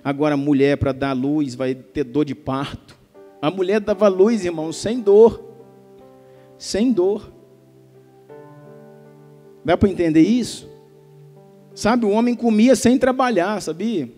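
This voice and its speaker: A man with a Brazilian Portuguese accent preaching a sermon as pastor, emphatic and swinging between soft and loud. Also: high-pitched, measured pace. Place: church. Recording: reverberant church hall with soft music.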